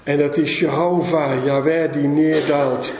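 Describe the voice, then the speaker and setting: A man preaching a sermon and reading from the Bible, emphatic with dramatic swings in pitch and loudness. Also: steady tone, unhurried, slight background noise. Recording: echoey hall, dull lo-fi sound.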